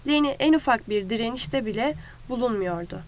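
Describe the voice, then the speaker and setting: A woman narrating a story aloud in a measured, clear reading voice. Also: on the high side, expressive. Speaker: audiobook narrator. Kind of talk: scripted narration.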